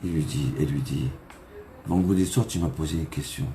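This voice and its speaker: A man's voice: a bass voice, fairly quick, dark tone, roomy sound, slight background noise. A man, a rabbi, preaching by telling a story and acting out its dialogue. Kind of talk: storytelling sermon.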